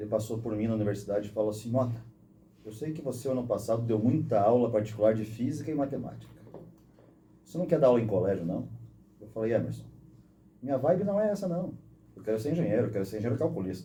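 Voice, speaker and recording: A man talks at a very fast pace with a dark, mellow tone and vocal fry. Long, frequent pauses break up his speech, and room echo is audible. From southwest Paraná, Brazil, gaúcho family. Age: 40s. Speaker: educator and education entrepreneur. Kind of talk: podcast interview. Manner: animated.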